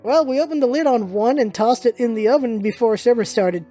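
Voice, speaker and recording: A woman's voice: fairly high pitch, brisk, warm tone, faint music behind, lightly acted. A woman playing an easygoing, reluctant but kind soldier in a story reading, talking in casual, slightly hesitant slang. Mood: amused.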